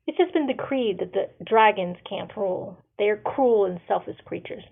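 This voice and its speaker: A grave storybook commander, voiced by a woman, speaks with measured authority. The recording is narrow and thin, much like a phone call. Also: medium pitch, expressive, creaky. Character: stern, measured male leader in fantasy story.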